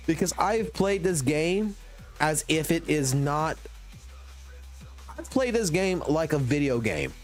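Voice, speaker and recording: A man's voice: on the high side, animated, slow, long pauses, faint music behind. A man in his thirties ranting profanely and emphatically on a casual gaming livestream, talking into a desk mic at a home streaming setup. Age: 30s.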